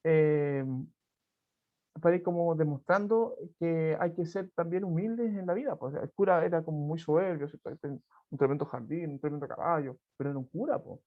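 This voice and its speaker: A Chilean man teaching a class over a video call, talking in a loose, chatty way and checking in with his students every few phrases. His voice sits a bit high for a man, with a gravelly fry. The audio is dull and lo-fi. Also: normal speed. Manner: conversational, frequent tag questions and restarts. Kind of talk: online class, reading and explaining a folk tale.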